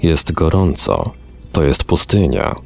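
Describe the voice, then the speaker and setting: A man reading the lines of a tired young woman under hypnosis, in slow, subdued, matter-of-fact answers. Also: rumbling low, sing-song, gravelly, faint music behind, exaggerated voice. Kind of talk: reading a hypnosis session transcript aloud.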